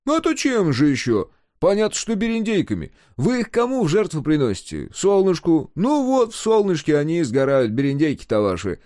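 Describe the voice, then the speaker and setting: A man's voice: medium pitch, very animated, a little slow, darkish tone, no echo, clean studio sound, pitched above the performer's own voice. A man voicing a sly, grinning working man who jokes and explains things in a knowing, teasing way, in an audiobook. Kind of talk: audiobook character voice.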